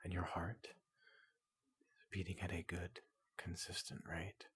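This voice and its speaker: Very slow, breathy, low ASMR robot doctor. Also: little pitch movement, fairly bright tone, dry recording. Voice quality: breathy, often whispering. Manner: slow, halting, reassuring. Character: large gentle robot doctor soothing a human patient. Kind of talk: soft-spoken ASMR roleplay.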